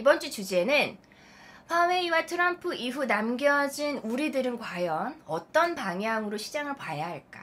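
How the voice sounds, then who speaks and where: At a moderate pace, a woman talks with very wide swings in pitch. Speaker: stock market YouTuber. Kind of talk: market commentary vlog. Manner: casual, conversational with fillers.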